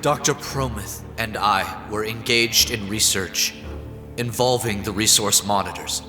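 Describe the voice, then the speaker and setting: An actor playing a nervous, earnest research assistant turned defiant whistleblower, speaking hesitantly as a trial witness. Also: male voice, fairly low pitch, measured pace, close to an everyday voice. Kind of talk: audio drama testimony. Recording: echoing hall with music behind.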